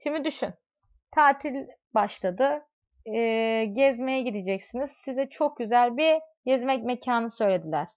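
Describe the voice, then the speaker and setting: On a dull lo-fi recording, a woman with a somewhat high, animated, darkish-toned voice teaches math at an unhurried pace. She uses everyday examples, speaks straight to students in second person, and asks them questions as she goes.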